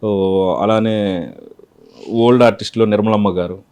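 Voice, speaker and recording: A man, a mimicry artist, giving calm, reflective interview answers. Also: fairly low pitch, a little slow, clear, resonant tone.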